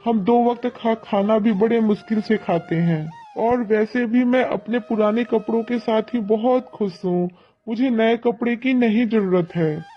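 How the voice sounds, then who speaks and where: A man voicing a kind, humble young girl from a poor family who speaks softly and patiently, in an animated storybook. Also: sits high, a little slow. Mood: gentle. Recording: dull lo-fi audio, faint music.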